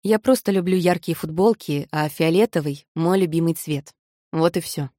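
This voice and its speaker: A woman putting on a calm, teasing young man. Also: deep voice, normal speed, no echo, studio quality, close to an everyday voice. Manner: soft, easygoing, lightly amused. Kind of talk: audiobook character voice.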